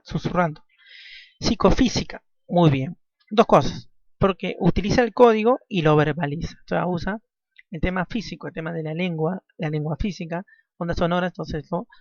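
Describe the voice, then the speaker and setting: A man's voice: high-pitched, no echo. A man teaching a language class, repeating key points and ending nearly every phrase with a questioning tag. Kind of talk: classroom lecture. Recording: dull dry lo-fi recording.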